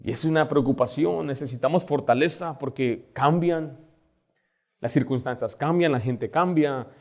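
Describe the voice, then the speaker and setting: A man's voice: medium pitch, moderate pace. A middle-aged man preaching a sermon in a church as pastor, quoting scripture and dropping to a near whisper. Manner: preaching with sudden loud-soft shifts, dropping to near whisper; quotes scripture and acts out worried voices.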